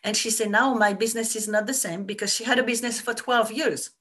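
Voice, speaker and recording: French-accented lady coach, bright clear voice, keeps hammering her point. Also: a little high, fairly even intonation, fast talker. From France. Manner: earnest and explanatory, stresses points by repeating them. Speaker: business and mindset coach. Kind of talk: casual interview answers.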